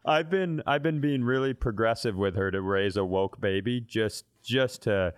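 A man's voice: fairly low pitch, normal speed. A man co-hosting a comedy podcast, bantering casually with a playful, mock-earnest manner.

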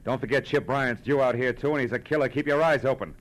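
An actor playing a tough, brusque American private detective in an old radio drama, clipped and wry. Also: male voice, mid-range voice, fast, lightly acted, poor audio. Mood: wary, commanding. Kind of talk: 1940s American radio drama, narration and dialogue.

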